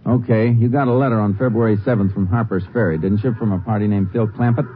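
An actor playing a calm, firm Texas Ranger investigator, plain-spoken, in 1950s Western radio drama style. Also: male voice, fairly low pitch, fast talker, close to an everyday voice. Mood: friendly, businesslike. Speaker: lead character and narrator. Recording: muffled, noisy 1950s radio recording.

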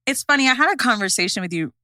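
A woman talking as a podcast guest in a blunt, slang-heavy way, swearing as she goes. Her voice is bright and forward, and the sound is close and dry. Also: a little high, animated, rapid-fire, no echo. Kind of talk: casual chat.

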